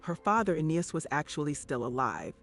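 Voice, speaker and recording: A man's voice: fairly high pitch, big pitch swings, brisk, gravelly, a bit bright. A man reading scripted narration as the narrator of a true crime documentary. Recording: music bed under narration.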